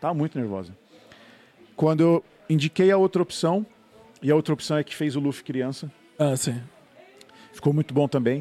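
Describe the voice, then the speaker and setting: Music plays in the background as the speaker talks at a moderate pace with ordinary pitch variation. Long pauses come often. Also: man, fairly high pitch for a man. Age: 30s. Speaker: voice actor. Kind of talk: casual chat. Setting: live stream recorded in a shop.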